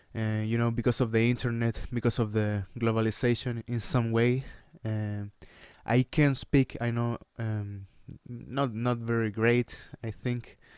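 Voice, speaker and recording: A man speaks at medium pitch and a fairly slow pace, with monotone, flat intonation. The recording is very clean with a silent background. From Chile. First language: Spanish. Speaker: bass cover musician and teacher. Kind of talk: live stream Q&A. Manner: halting, many fillers and repetitions.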